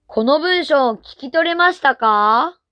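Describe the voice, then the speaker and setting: A woman reading translations of example sentences in a plain, measured way for learners. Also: sits high, animated, bright, forceful tone, no room sound. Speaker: translation reader.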